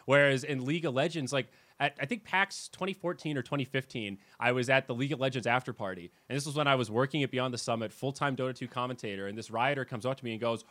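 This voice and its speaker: A man hosting a podcast in casual chat, telling animated stories with swearing and restarts. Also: medium pitch, quick pace, hardly any pauses, dry recording. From United States. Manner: animated storyteller who swears and restarts sentences. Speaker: podcast host and esports commentator.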